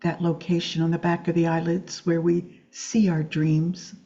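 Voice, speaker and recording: A woman meditation teacher guiding a Yoga Nidra practice in a gentle, soothing, unhurried way with long pauses. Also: on the low side, little pitch movement, highs cut off.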